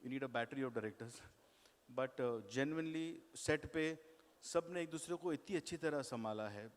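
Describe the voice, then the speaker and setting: A film director thanks his cast and crew, speaking slowly and sincerely with frequent pauses. His mid-pitched voice carries a long hall reverb. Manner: halting, sincere, mixes Hindi and English. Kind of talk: heartfelt thank-you speech.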